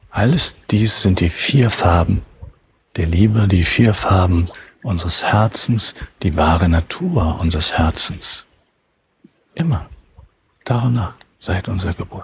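Very slow and calm, a man speaks in a soothing, somewhat breathy voice with a very deep, low pitch, ordinary pitch variation and long, frequent pauses. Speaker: Zen master and meditation teacher. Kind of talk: guided meditation. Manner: slow, calm, soothing with long pauses; soft-spoken, gentle, unhurried.

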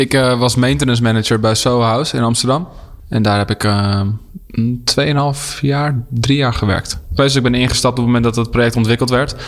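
A man speaks at a moderate pace with ordinary pitch variation and very even loudness. There is noticeable background noise. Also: medium pitch for a man. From Netherlands, IJmuiden. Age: 30s. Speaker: guesthouse owner. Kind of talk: interview. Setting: on location at guesthouse.

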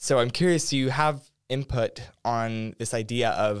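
Talking at a fairly slow pace, a man with an unremarkable speaking voice uses a medium pitch and ordinary pitch variation. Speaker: student podcast host. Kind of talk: casual interview.

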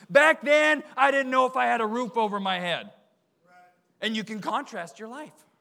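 The voice is raised and projected, carried by lively intonation. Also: man. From Canada. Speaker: pastor. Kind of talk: sermon. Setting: church.

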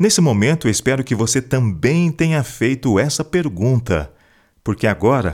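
On a very clean recording with a silent background, a man speaks in a warm tone with very wide pitch swings. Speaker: preacher. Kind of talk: devotional sermon. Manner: earnest, warm, persuasive; measured, teaching cadence.

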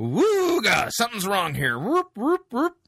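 A man speaks in a put-on character voice at an extremely high pitch. His delivery is fairly slow. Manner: mock-alarmed, sirenlike.

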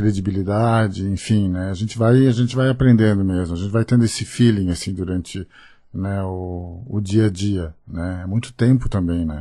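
Against a quiet background, a man with a fairly low pitch and a dark, mellow tone speaks at a fairly slow pace with fairly even intonation. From Santa Catarina, Brazil (Rio do Sul). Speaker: journalist and newspaper columnist. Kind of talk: casual interview. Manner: halting, many repetitions and fillers.

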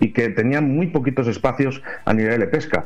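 A man at a medium pitch and a fairly quick pace, with noticeable background noise. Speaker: radio presenter. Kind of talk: interview.

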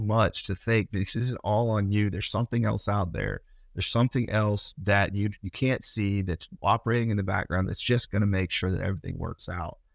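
Dry and close with no echo on a very clean recording with a silent background, a man speaks at a fairly low pitch with fairly even intonation. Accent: American. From Florida. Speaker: podcast host, app founder. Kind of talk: casual interview. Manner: halting, many fillers.

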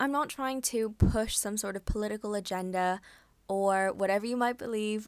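Fairly high-pitched woman's voice, fairly even in intonation and fairly quick in pace, on a very clean recording with a silent background. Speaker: podcast host. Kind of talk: casual monologue. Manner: chatty.

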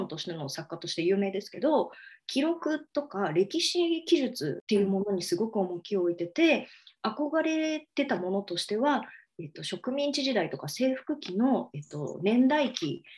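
Somewhat breathy, a woman talks at a moderate pace and medium pitch with very wide pitch swings. The background is quiet. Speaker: literature professor. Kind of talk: interview. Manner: casual, animated.

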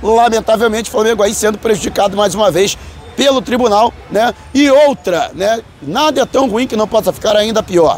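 Over noticeable background noise, a man with a high pitch speaks at a moderate pace in an animated tone with ordinary pitch variation. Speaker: football news YouTuber. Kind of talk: sports news vlog.

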